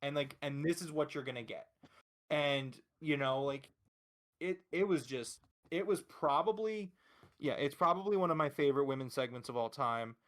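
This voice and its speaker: A man with a slightly high-pitched voice hosts a casual wrestling talk podcast. He speaks emphatically and gives his opinions freely, swearing as he goes. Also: normal speed, fairly bright tone. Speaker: podcast host.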